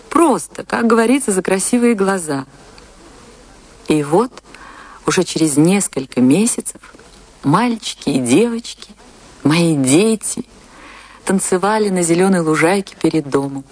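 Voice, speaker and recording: An actress playing a passionate woman dancer recounting a stormy love affair in a confessional, theatrical radio play manner. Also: fairly low pitch. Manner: theatrical, confessional, emotionally expressive. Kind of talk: dramatic radio play monologue and dialogue.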